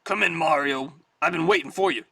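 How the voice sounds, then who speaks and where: A man's voice: on the high side, fairly quick, sharp tone, no room sound, studio quality. A man voicing a blunt, tough male mercenary in a read-aloud comic, speaking with street-tough bluntness. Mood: menacing.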